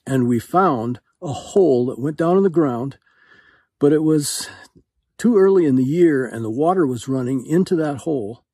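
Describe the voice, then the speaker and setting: An older man with a dark, husky voice tells a rambling, unhurried travel story for his vlog. He pauses often and fills gaps with "uh". At times he is out of breath on a hillside, and the recording is dry and close. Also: a little high, animated, dry recording. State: out of breath while hiking uphill. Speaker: travel vlogger. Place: outdoors on a desert hillside.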